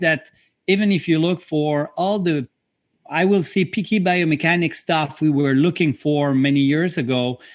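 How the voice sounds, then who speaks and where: Against a quiet background, a man with a French accent speaks at a fairly high pitch and very even loudness. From Quebec. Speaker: physical therapist. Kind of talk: interview. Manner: halting.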